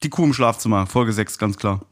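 A man's voice: on the low side, fairly quick. A man speaking as a podcast guest, casually telling his own story as a fan.

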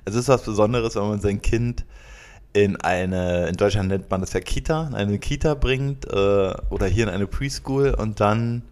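His voice is fairly low and darkish, moving at a moderate pace. He's a Berlin native in his late thirties co-hosting a laid-back podcast, cracking jokes while stumbling through fillers and false starts.

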